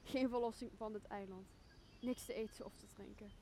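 A woman's voice: medium pitch, steady tone, moderate pace, dark tone, a little hiss or hum, lightly acted. A young woman playing a weary, despairing noble leader in an audio drama. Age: young adult. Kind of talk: Dutch audio drama of Shakespeare.

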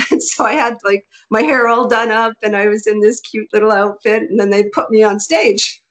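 A middle-aged woman author from Canada, a native Hungarian speaker, chatting in an interview and laughing often. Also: medium pitch. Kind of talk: casual interview chat.

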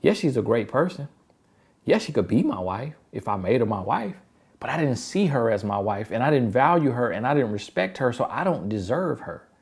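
A man's voice: medium pitch, very animated, moderate pace, a little mellow, husky. A man with a country Southern accent giving relationship advice in an emphatic, repetitive motivational style. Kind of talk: motivational talk.

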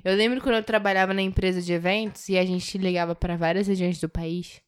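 A woman's voice: on the low side, steady tone, brisk, clean tone. A young woman, co-hosting a podcast in casual, slangy chat and laughing often. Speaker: podcast co-host.

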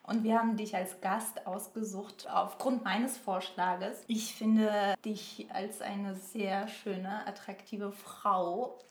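Woman co-host, friendly, mid-pitched, echoey room. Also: flat delivery, slow pace, few pauses. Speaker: podcast co-host. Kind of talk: casual interview.

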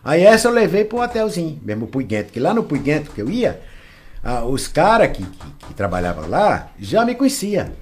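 Boisterous man, lively pitch. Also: a little fast. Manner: crude, boisterous, acts out dialogue. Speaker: guest storyteller. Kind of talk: casual podcast storytelling.

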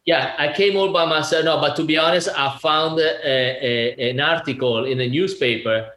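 Pushed and bright, a little on the high side, the voice of this roughly sixty-year-old Italian real estate agent moves at a moderate pace. As an interview guest he keeps things chatty, breaking into laughter and stumbling through fillers and restarts, with the room's echo audible.

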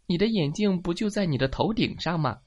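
A woman's voice: lowish voice, animated, a little fast, a little mellow, voice pushed up. A woman doing a polite black rooster. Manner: courteous, polite.

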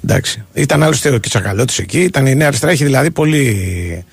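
A man's voice: mid-range voice, animated, vocal fry, slightly rough, dry recording, soft background music. A man co-hosting a radio show, arguing his point insistently in a heated studio debate. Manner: insistent, argumentative, talks over his partner. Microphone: studio microphone.

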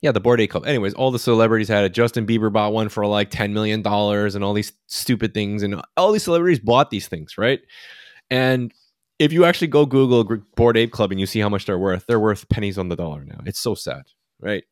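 A man with a somewhat low voice co-hosts a casual podcast and talks through ideas in a relaxed, rambling way, tagging his points with quick checks. The recording is dry and close, with no room sound. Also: no echo. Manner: explains in a loose, chatty way and tags lines with "right?". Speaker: podcast co-host. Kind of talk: casual finance chat.

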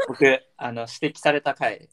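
A young man in his twenties from Kanto, guesting on a casual chat. He is polite and a little shy and laughs nervously. His pitch swings widely as he talks. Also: fairly bright tone. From Kanto, Japan. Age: 20s. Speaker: podcast guest.

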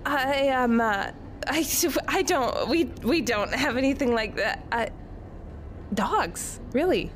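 A woman playing a mild, bashful but self-assured counselor in an audio drama, speaking with halting hesitation. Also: sits high, lively intonation, a little hiss or hum. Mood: flustered.

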